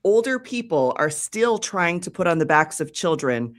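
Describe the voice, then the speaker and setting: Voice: mid-range voice, sing-song, normal speed. Passionate political co-host. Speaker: podcast co-host. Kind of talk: casual chat.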